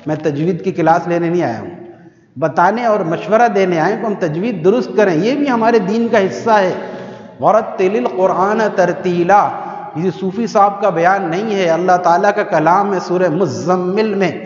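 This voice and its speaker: A Pakistani man with a high-sitting voice preaches a sermon to worshippers in a mosque, recorded in an echoey hall with muffled sound. His style is conversational and full of rhetorical questions, and at times he recites verses in a slow, melodic chant.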